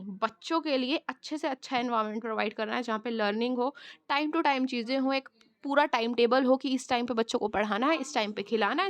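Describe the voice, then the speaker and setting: A woman's voice: fairly high pitch, no echo. A young woman teacher giving a conversational exam-prep lecture to trainee teachers, talking directly to her students. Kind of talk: exam-prep lecture, mixing Hindi and English.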